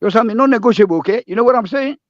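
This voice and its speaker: A man's voice: extremely high pitch, very fast, no room sound. A man with a Nigerian, Pidgin-inflected accent chats in a live audio room, rambling, laughing and repeating himself. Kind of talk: casual live-room chat. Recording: dull lo-fi dry stream audio.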